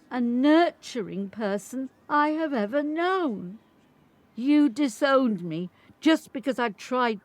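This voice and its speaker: An older woman voicing a proud, defiant eighteen-year-old trans woman in a clear, firm, declamatory dramatic monologue. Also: high-pitched, no echo, voice pushed up. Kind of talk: dramatic monologue, quoted speech.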